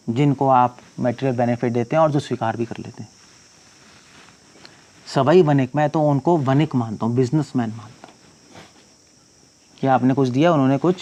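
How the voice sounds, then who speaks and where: In this scripture discourse, a male monk recites verses at a slow pace, then unpacks them in conversational speech sprinkled with English phrases. His voice is mid-range and darkish in tone.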